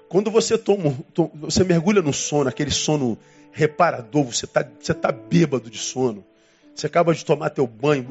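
High-voiced pastor preaching emphatically. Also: male voice, slightly rough, dull audio. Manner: emphatic preaching with dramatic pitch swings and pauses. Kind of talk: sermon.

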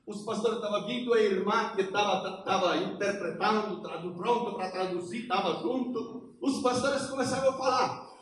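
A high-voiced man delivers a fervent church sermon as a missionary preacher. His Portuguese is halting and non-native, with a Polish accent, and his delivery is emphatic. He sounds away from the microphone in a very reverberant space. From Poland. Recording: very echoey hall, distant, faint noise.

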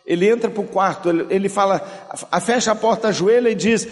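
High-voiced preacher in a reverberant hall. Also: male voice, quick pace. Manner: preaching with dramatic swings between loud and soft. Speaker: pastor. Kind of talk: sermon.

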